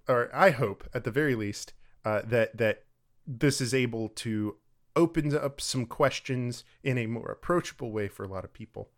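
Relaxed young man co-hosting a podcast. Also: medium pitch. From Texas. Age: 20s. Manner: relaxed, rambling, with fillers and light laughs. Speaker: podcast co-host. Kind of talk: casual podcast chat.

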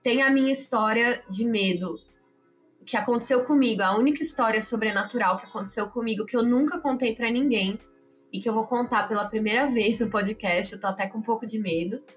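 A Brazilian woman with a Brazilian Portuguese accent, hosting a podcast and telling a story casually, animated, laughing and swearing freely. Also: fairly high pitch, a little fast, soft background music. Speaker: podcast host.

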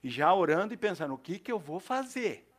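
Man, brazilian portuguese accent, middle-aged pastor, storytelling sermon, high voice, very animated intonation. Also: a little fast. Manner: lively storytelling, swings between loud and hushed.

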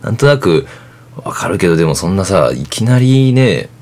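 A man's voice: low voice, very animated, normal speed, darkish tone. A man co-hosting a casual podcast chat, listening attentively with frequent short responses. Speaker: band bassist, podcast co-host.

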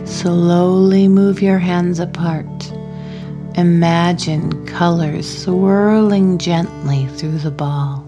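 A woman speaking as a sleep story narrator, leading children through relaxation in a soothing, unhurried way with gentle pauses. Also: fairly low pitch, steady tone. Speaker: host of a children's relaxation podcast. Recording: music behind. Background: soft plucked guitar music.

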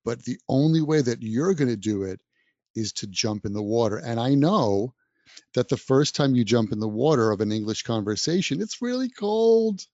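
A man's voice: mid-range voice, expressive, normal speed, warm tone, no echo. Encouraging man, dull dry recording. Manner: encouraging, speaks directly to the listener. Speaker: English teacher giving advice. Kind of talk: conversational podcast advice. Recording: dull, dry, slightly lo-fi sound.

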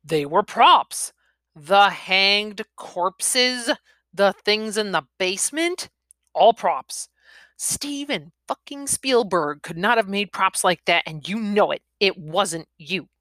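A woman's voice: medium pitch, animated, takes it slowly, fairly bright tone, no echo. A woman voicing a foul-mouthed, confrontational young female bully in her twenties from a novel, growling and accusing. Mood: angry, accusing.

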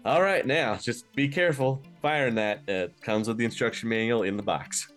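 A man voicing a folksy black-market arms dealer in a tabletop game, an eager salesman who haggles and draws out his pitch. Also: normal speed, a bit bright, soft background music, lightly acted. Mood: chummy, haggling.

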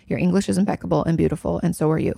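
A woman's voice: on the low side, steady tone, rapid-fire, creaky, dark tone, breathy edge, no echo, studio quality. A woman, a therapist, talking casually as she answers viewer questions and explains things with many fillers and restarts. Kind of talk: casual advice talk.

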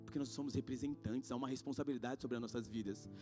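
A man in his thirties with a Brazilian Portuguese accent, preaching in church. He talks in slangy, casual asides, swinging between loud exhortation and hushed storytelling. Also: medium pitch, steady tone, fast. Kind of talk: sermon. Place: church sanctuary. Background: faint guitar music.

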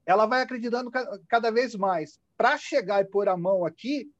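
High-voiced hypnotherapist on a dull line. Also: male voice, moderate pace, no room sound. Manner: demonstrative, acts out what he says to clients. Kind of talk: sharing practice anecdotes.

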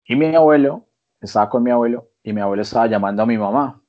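A man's voice: mid-range voice, fast talker, lo-fi sound. Colombian man telling a story. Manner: storytelling with lively quoted voices. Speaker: podcast co-host. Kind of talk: casual chat.

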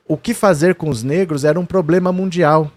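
A man's voice: on the high side, fairly quick, darkish tone, dry recording. A man with a Brazilian Portuguese accent explains history conversationally and shows documents to the viewer. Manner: quotes historical figures in a raised voice. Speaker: history presenter.

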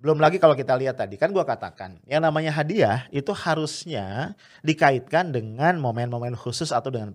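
A man giving casual, emphatic political commentary to his viewers, dropping little tag words and short laughs as he goes. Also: mid-range voice.

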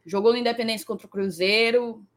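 A woman's voice: fairly high pitch, fairly even intonation, fast. A woman co-hosting a live sports stream, chatty and playful, reading viewer comments aloud. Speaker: podcast co-host. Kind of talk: casual live-stream chat.

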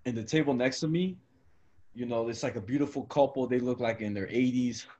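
A man hosting a casual chat, talking in a relaxed, slangy way and telling stories. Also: mid-range voice, fairly quick. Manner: slangy and laid-back, full of "bro" and "you know what I'm saying". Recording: lo-fi, slightly dull sound.

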